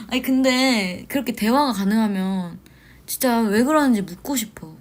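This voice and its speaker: A young woman in her twenties, an idol hosting a casual livestream from a small room at home, chatting and telling animated stories. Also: fairly high pitch, normal speed. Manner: chatty, animated storytelling with shouted quotes. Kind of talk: casual livestream chat reading comments.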